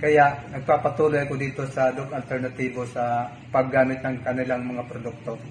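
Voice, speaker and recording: Background noise is noticeable throughout. A man talks at a moderate speed. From Philippines, Leyte (Tacloban City). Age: 60s. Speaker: welder, testimonial patient. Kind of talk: testimony.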